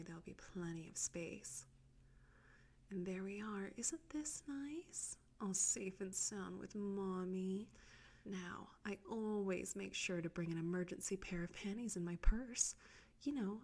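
A woman whispering close to the mic in a soft, coaxing, teasing audio roleplay. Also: mid-range voice.

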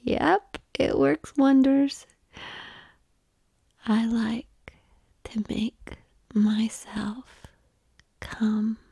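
A woman whispering softly and calmly in an ASMR roleplay, coaxing the listener through slow breathing, close to the microphone. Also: a little high, gravelly, husky, no echo. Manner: soft unvoiced whispering; calm, coaxing breathing guidance.

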